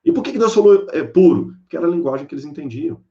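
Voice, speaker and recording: A man's voice: fairly high pitch, rapid-fire, highs cut off. A man giving a sermon-style Bible lecture, telling stories and acting out the people in them. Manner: animated storyteller acting out characters. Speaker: preacher.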